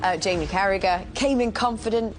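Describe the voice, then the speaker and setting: A woman's voice: medium pitch, a little fast, over music. Upbeat woman studio presenter. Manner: upbeat, playful banter with co-hosts. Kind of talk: live football studio presenting.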